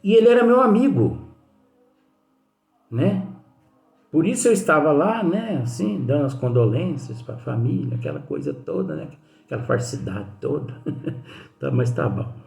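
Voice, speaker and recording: A man's voice: fairly high pitch, very animated, measured pace, gravelly, pauses often, a little mellow. A man giving a spiritist study lesson in a conversational way, telling anecdotes and often tagging sentences with questions to his listeners. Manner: chatty, leans on tag questions. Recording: echoey room with faint music.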